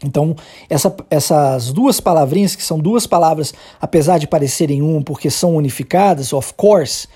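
A Brazilian teacher with a Brazilian Portuguese accent leads a podcast English lesson in a warm, mellow voice with a slightly husky edge. The teacher explains with patience and models each phrase slowly, over and over, for the learner to copy. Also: mid-range voice.

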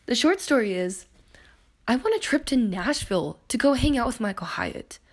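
A woman in her thirties hosting a solo podcast, telling her own story in a chatty way with a hoarse voice that keeps cracking, laughing often and wandering onto tangents. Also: on the high side, lively intonation, normal speed. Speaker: podcast host.

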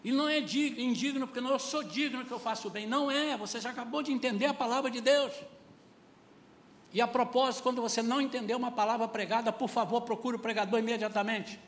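Male pastor with a very high voice, preaching hard and emphatically, heard with long church reverb. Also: steady tone, fast talker. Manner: fervent, emphatic preaching, rising to shouts. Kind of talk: sermon. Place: church sanctuary.

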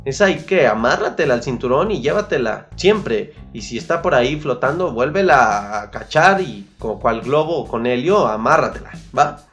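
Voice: mid-range voice, lively intonation, moderate pace, few pauses, a bit bright, faint music behind. Mexican podcast host giving pep talk. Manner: coaching, repeats key phrases, colloquial slang. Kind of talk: motivational podcast monologue.

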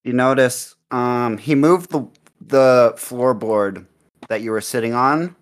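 A man's voice: mid-range voice, takes it slowly, clear, resonant tone. A man narrating as game master in an improvised tabletop game, rambling with many ums and likes over a voice call.

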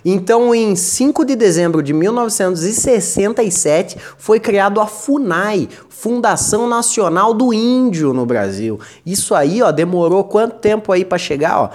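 A man's voice: sits high, animated, moderate pace, hardly any pauses, darkish tone. Rambling, stammering Brazilian man. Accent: Brazilian Portuguese. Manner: rambling, stumbles and repeats words, jokey. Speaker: podcast host. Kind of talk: casual comedic monologue.

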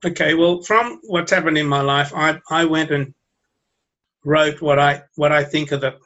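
A man from Sri Lanka giving interview answers in a halting way, repeating his words and chuckling often. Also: fairly high pitch, fairly even intonation, bright, forceful tone, dull audio. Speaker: guest.

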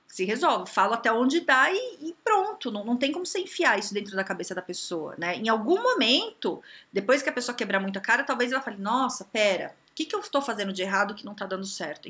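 A woman's voice: on the high side, pushed and bright. A woman giving casual career and behavior advice, talking conversationally and acting out quoted voices.

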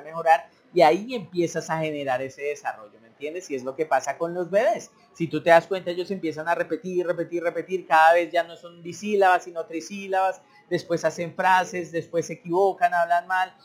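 A man giving a casual, repetitive language lesson, sometimes acting out beginners' broken speech. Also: a little high. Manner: conversational, repetitive, acts out learners' broken speech. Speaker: English teacher. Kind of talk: informal teaching monologue.

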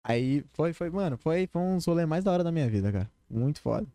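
A young man in his teens, casually telling a story on a live stream, full of slang and quick asides. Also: on the high side, lively intonation, warm tone, no room sound. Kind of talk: casual chat.

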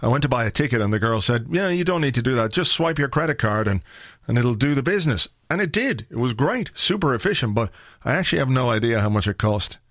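Croaky Irish man rambling on a podcast. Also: mid-range voice, animated, quick pace, a bit bright, no room sound, studio quality. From Ireland. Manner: rambling, wry and chatty, with filler words. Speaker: podcast host. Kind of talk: casual solo podcast chat.

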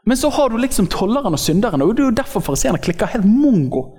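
A man preaching an informal sermon in a church hall, joking and slangy, acting out quotes from other people. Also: high-pitched. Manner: lively, joking, acts out quotes in slangy speech. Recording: long hall reverb.

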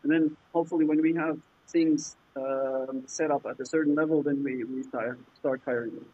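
A man from Jordan whose first language is Arabic, answering interview questions in a halting way, with many fillers and restarts. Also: a little high, fairly even intonation, husky. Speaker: startup founder, guest. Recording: muffled lo-fi remote audio.

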